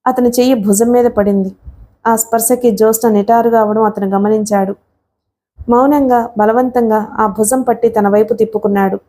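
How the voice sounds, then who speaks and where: Mellow-voiced woman narrating a novel. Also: fairly high pitch, fairly even intonation, moderate pace. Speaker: audiobook narrator.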